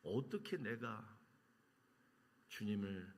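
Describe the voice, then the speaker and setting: A man preaching a sermon as pastor, quizzing the congregation and answering his own questions, moving between loud emphasis and hushed lines. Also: fairly low pitch, lively intonation, takes it slowly, gravelly. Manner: asks the congregation questions and answers them himself.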